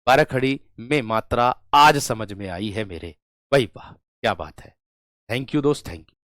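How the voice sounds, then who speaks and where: Guy teaching online class, has a fever, keeps repeating words slowly, middle pitch, dry mic. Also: a bit bright, no room sound. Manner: slow, drawn-out repetition of words; addresses students as friends. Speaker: Hindi teacher.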